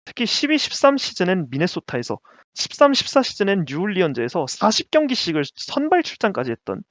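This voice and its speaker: A man co-hosting a casual basketball talk show, lively and quick to laugh, sometimes stumbling over names. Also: sits high, dry recording. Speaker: podcast co-host.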